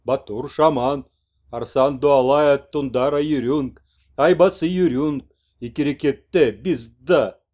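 Guy doing an old shaman in a storybook, loud broken chants, slowed way down. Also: mid-range voice, lightly acted. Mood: chanting. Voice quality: broken speech, chanting exclamations. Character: old toothless northern shaman messenger, excitable.

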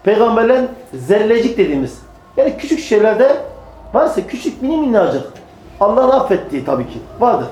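A man's voice: high-pitched, very animated, a little fast, a little mellow, echoey room, a little hiss or hum, low-quality recording. A man preaching to a small group, emphatic, repeating phrases and answering his own rhetorical questions. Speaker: religious preacher. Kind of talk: religious talk to a small group.

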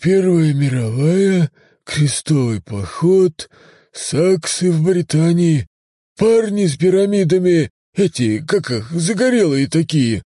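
A man reading a story aloud, voicing an ancient, touchy male deity that speaks with a booming, husky voice, sometimes in whispers. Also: expressive, takes it slowly, warm tone, dry recording, clean studio sound. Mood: aggrieved. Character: ancient male Cthulhu entity, disembodied voice, proud and touchy. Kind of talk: audiobook reading.

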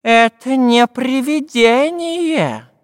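A fussy old professor, as a male reader puts him on, hesitant and slow, his voice pushed up high. A long reverb tail follows the dry reading. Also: exaggerated voice.

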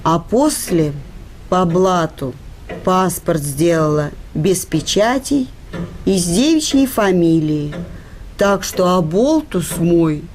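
An actress playing a middle-aged, cynical working-class wife in a radio comedy play, confessing in a matter-of-fact, unrepentant manner. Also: female voice, lowish voice, sing-song, slow, a little mellow, a little hiss or hum. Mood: blunt, unrepentant.

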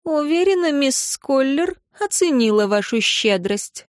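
A woman voicing a stern, prim older governess who scolds in a drawn-out way. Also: high voice, animated, dry recording, studio quality, pitched above the performer's own voice.

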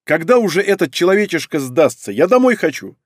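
A man reading an audiobook, voicing a bored, pushy young fox-woman who whines and pesters impatiently, pitched up and louder than his narration. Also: big pitch swings, brisk, dry recording, studio quality. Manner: whiny and impatient. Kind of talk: audiobook character voice.

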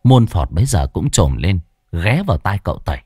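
Lively storyteller. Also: male voice, deep voice, fairly quick. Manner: expressive, animated. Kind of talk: folk ghost story narration.

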